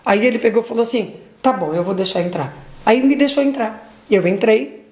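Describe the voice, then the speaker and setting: Middle-aged woman, gravelly higher voice, emotional testimony, echoey room. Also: a little fast, darkish tone, a little hiss or hum. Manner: retells dialogue, repeats words, voice leaps high in emotional moments. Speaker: mother giving a testimony.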